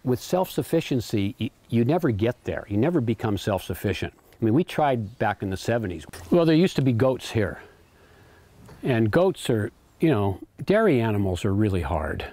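A man in his eighties giving a relaxed, rambling tour of his homestead, often repeating words while he thinks, on a lapel mic with faint background noise. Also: lowish voice, normal speed, no echo. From United States. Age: 80s. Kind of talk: casual tour talk. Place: outdoor garden and home pantry.

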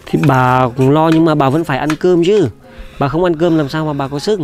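A man's voice: on the high side, brisk, a little mellow, faint music behind. A young man vlogging on a village visit, chatty and caring, talking straight to his viewers. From Vietnam. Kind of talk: casual vlog chat.

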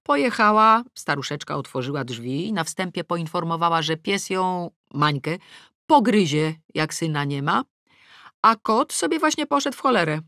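A woman's voice: on the low side, no echo, studio quality. Wry woman narrating an audiobook. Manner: wry, lively storytelling with comic timing. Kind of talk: first-person audiobook narration. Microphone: close studio mic.

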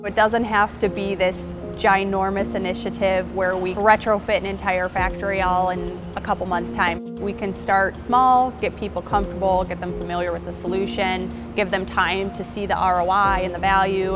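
Even-toned woman in a factory interview. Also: medium pitch, moderate pace, hardly any pauses. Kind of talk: interview answers. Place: large factory floor indoors. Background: background music.

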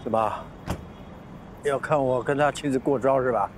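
A man's voice: mid-range voice, fairly even intonation, moderate pace, close to an everyday voice. A man playing a confident, challenging senior boss in a TV drama, in a natural conversational style. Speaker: actor in a television drama. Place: outdoors on a city street at night. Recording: noisy outdoor city street.

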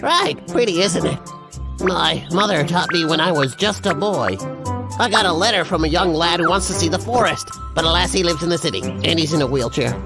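An actor playing an excitable, scheming but soft-hearted logger in a cartoon, exclaiming and muttering to himself. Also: male voice, a little high, brisk, creaky, over music. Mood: pleading. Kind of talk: animated cartoon dub acting.

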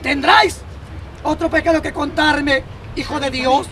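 A man's voice: very high-pitched, fairly even intonation, a little slow. A man voicing a solemn village priest who questions formally and preachily. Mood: preachy. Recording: outdoor street crowd noise.

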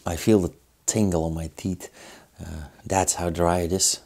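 A man in his thirties from Belgium with a Belgian accent, reviewing a beer in a small indoor studio, thoughtful and unhurried with many fillers. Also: low-pitched, level tone, vocal fry, darkish tone. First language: Dutch.

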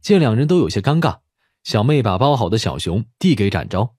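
A man's voice: lowish voice, very animated, fairly quick, darkish tone, husky, dry recording, clean studio sound. A man reading a detective audiobook as a scripted narration. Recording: music behind the voice.

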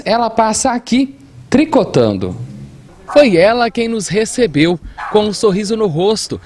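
A man's voice: sits high, dry recording. A young Brazilian man narrating a scripted news feature as a TV reporter.

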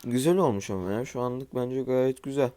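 A man's voice: mid-range voice, normal speed, dark tone. A man giving casual let's-play commentary at home, just woken up and groggy, muttering to himself while he builds and tossing asides to viewers. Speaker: gamer streaming his play.

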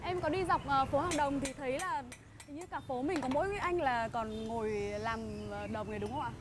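A woman's voice: high voice, moderate pace. A woman reporter asking polite, deferential questions in a street interview. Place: busy shopping street. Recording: street noise.

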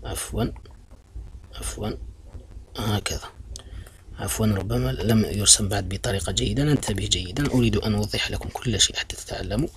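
Low-voiced male math teacher, patient and repetitive. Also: fairly quick, pauses often, a little hiss or hum. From Algeria. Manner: patient, repetitive, addresses students as "my children"; many fillers and self-corrections. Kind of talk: blackboard-style math lesson.

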